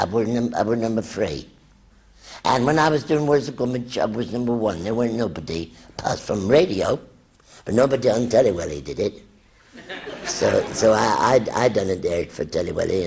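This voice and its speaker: Casting: man voicing a simple, cheery rustic scarecrow with a gravelly, husky voice who rambles in yokel grammar. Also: mid-range voice, heavily acted. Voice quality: gravelly, husky country dialect.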